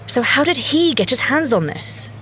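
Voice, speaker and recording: A woman's voice: high voice, very animated, normal speed, fairly bright tone, a little hiss or hum, low-quality recording. A woman playing an earnest, nerdy young scientist agent in an audio drama, speaking precisely and politely and easily flustered. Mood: precise, dry.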